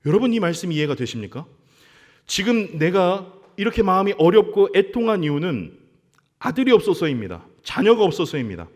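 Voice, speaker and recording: A man preaching as pastor at a midweek church service, acting out quotes in a lively way. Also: sits high, fairly quick. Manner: animated preaching with acted-out quotes. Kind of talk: sermon. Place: church sanctuary. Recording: church hall reverb.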